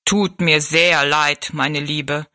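A woman voicing a tall, thin, dignified male giant from a fair show, who talks slowly in a courtly, regretful way. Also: low voice, fairly even intonation, no echo, clean studio sound, voice pushed down, full character voice. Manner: slow, courtly and gently regretful.

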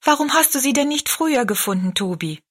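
A woman's voice: sits high, expressive, fairly quick, a bit bright, pitched above the performer's own voice. A woman voicing an earnest, polite young girl in a storybook, speaking eagerly. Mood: eager, worried. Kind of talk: storybook narration.

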